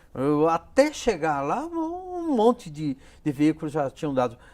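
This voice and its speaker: The recording is very clean and the background silent. A man speaks fairly slowly. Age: 60s. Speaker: journalism professor. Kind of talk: interview. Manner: halting.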